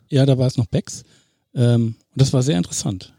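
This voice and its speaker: A man with a dark, mellow tone and a somewhat breathy voice speaks at a moderate pace, in dry, close sound with no echo. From northern Germany, Osnabrück. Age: 50s. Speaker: software developer, guest. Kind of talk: casual chat. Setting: outdoors in a garden.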